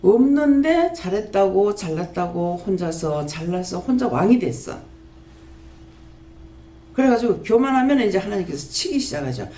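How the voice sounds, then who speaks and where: A woman pastor, preaching a sermon and scolding with rapid-fire rhetorical questions. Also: mid-range voice, sing-song, mellow. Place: prayer house church. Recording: echoey church hall, faint background noise.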